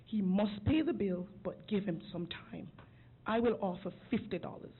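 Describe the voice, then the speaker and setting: A woman from outside Georgia, with a mid-range voice, lively intonation and a moderate pace, makes a heartfelt, emotional public comment at a city council podium mic. She's in a city commission chamber, captured in phone-like lo-fi audio with a faint hiss.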